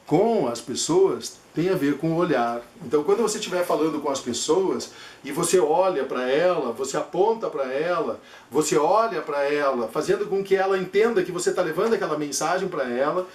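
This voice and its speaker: Male speaking coach, emphatic, demonstrative, a bit high-pitched, roomy recording. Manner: emphatic, demonstrative, shifts tone freely. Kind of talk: teaching lesson. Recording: echoey room.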